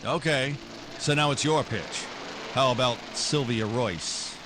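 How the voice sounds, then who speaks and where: An actor playing a hard-boiled American private detective in 1940s noir radio style, wry, clipped and dogged. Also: male voice, medium pitch, slow, noisy background, lightly acted. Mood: pressing, tough. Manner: wry, clipped, tough-talking. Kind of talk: 1940s noir radio drama acting and narration.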